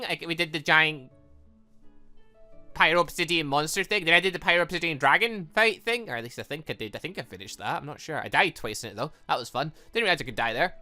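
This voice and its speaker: A man hosting a game playthrough, rambling casually and excitably as he thinks aloud and drifts off on tangents. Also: on the high side. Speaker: host of a game playthrough series. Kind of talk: casual rambling gaming commentary.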